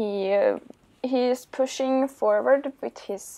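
A woman speaks with a Finnish accent. Her pace is very slow. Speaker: dressage rider. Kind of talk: video voice-over narration.

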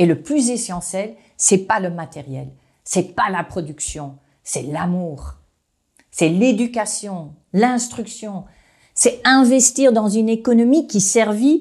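Against a quiet background, a woman with a fairly high pitch and lively intonation speaks very slowly, leaving long, frequent pauses. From California. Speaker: climate policy expert; interview guest. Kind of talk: interview. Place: office. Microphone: lapel.

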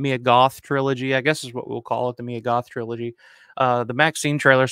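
Over a quiet background, a man rattles along at a very fast pace in a bright, sharp tone, his intonation monotone and flat and the sound dry with no echo. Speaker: horror stream host. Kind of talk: casual livestream chat. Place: home room.

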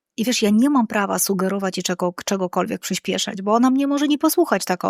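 A woman with a fairly high pitch and ordinary pitch variation talks at a very fast pace in a dry, close sound with no echo, on a very clean recording with a silent background. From Georgia. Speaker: author. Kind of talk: interview.

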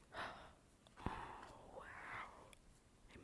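A woman is whispering. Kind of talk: ASMR card opening. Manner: whispered.

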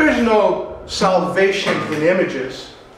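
Over noticeable background noise and audible room echo, a man talks at a very slow pace in a high pitch. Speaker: poet, reading his own work. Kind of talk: poetry reading, performance poetry. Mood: solemn, reflective delivery. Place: hall. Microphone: camera far.

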